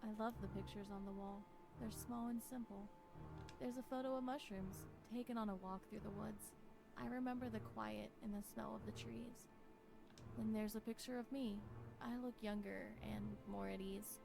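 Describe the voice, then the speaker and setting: An actress playing a weary, anxious wife in a visual novel, speaking a wistful, melancholy inner monologue. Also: female voice, mid-range voice, fairly even intonation, moderate pace, creaky, natural voice, poor audio. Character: weary, anxious wife clinging to a broken relationship. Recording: music behind the voice. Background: music.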